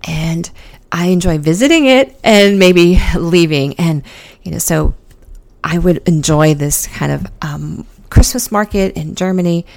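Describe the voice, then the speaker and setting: Woman, podcast host, casual solo talk, gravelly, lots of ums, dry close sound. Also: on the low side, unhurried, darkish tone, no room sound. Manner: chatty, many ums and restarts.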